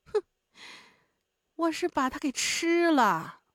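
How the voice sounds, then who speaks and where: A woman voicing a sly cannibal woman, who speaks low, slow and mocking. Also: sing-song, fairly bright tone, no room sound, studio quality, exaggerated voice.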